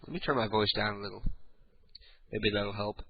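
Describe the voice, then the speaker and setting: Raspy older man hosting radio. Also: steady tone, brisk, no echo, phone-quality sound. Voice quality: raspy, booming. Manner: rambling storyteller, frequent throat clearing. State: clogged ears and sinuses. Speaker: radio talk show host. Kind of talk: casual late-night radio talk, profane.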